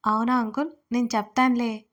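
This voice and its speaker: A talkative, playful young woman in a storybook reading, put on by a woman narrator. The voice sits a little high and lively, with a friendly, teasing lilt. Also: a little fast, lightly acted. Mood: cheerful. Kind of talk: audio story character voice.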